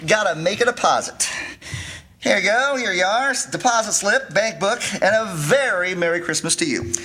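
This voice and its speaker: An actor playing an absent-minded, hapless old uncle in a 1940s-style radio play, with a faltering, excitable delivery. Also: male voice, sits high, moderate pace. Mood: gleeful, taunting. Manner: scatterbrained, faltering. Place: live staged reading in a television studio. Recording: faint noise on stage microphones.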